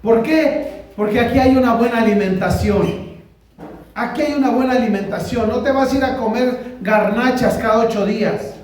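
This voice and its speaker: A pastor with a Mexican Spanish accent preaches a conversational sermon, often putting questions to the congregation. His voice is very high-pitched with a darkish tone, at normal speed. The church hall recording is very echoey, distant, and faintly noisy.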